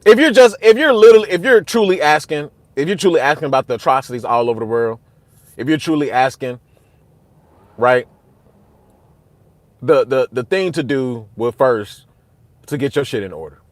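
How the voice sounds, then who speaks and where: A young man hosting a casual stream argues with his chat, repeating himself heatedly and going loud and high when worked up. He talks at normal speed with long pauses, and the recording is dry.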